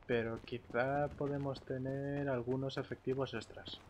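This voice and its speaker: A man's voice: medium pitch, level tone, a little slow, darkish tone. A man with a Castilian Spanish accent chatting casually in character during a game roleplay session. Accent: Spain Spanish. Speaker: gaming roleplayer and streamer. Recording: noisy game audio with ambient sounds.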